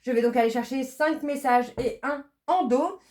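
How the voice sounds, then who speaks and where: A woman with a slightly high voice gives a casual card reading. She talks in a chatty, hesitant way, full of fillers and restarts. She slows down when she reads the card messages aloud. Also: a little mellow. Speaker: medium doing a tarot reading.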